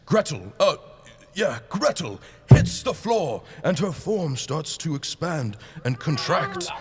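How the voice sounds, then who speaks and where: A man's voice: on the high side, very animated, slow pace, slightly rough, in a large hall, soft background music. A man narrating a comic radio play in a storytelling style.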